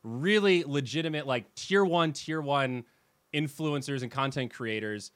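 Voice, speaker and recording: A man hosting a podcast in casual chat, telling animated stories with swearing and restarts. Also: medium pitch, unhurried, no echo, studio quality. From United States. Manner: animated storyteller who swears and restarts sentences. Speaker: podcast host and esports commentator.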